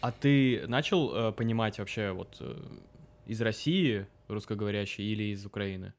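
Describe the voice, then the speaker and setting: A man hosts an informal interview in a fairly low voice. He asks long, curious questions, pausing on drawn-out hesitation sounds as he shapes them. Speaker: host. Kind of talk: conversational interview.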